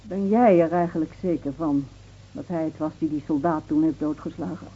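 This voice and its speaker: An actress playing a bitter, grieving village wife in an intense, emotional radio drama. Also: female voice, sits low, fairly even intonation, normal speed, a little hiss or hum, natural voice. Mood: bitter, accusing. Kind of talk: Dutch radio drama acting. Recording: muffled, phone-like old radio recording.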